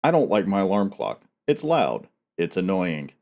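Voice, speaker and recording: A man's voice: sits low, very animated, normal speed, darkish tone. A man hosting a novel read-aloud, talking casually and reading in an audiobook style. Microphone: headset.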